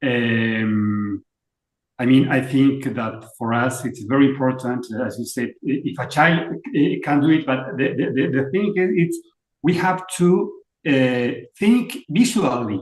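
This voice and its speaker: Spoken at a fairly slow pace, the voice has lively intonation and a Spanish accent. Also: man, medium pitch for a man. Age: 50s. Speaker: university researcher and seminar moderator. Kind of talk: seminar discussion. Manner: halting, many fillers.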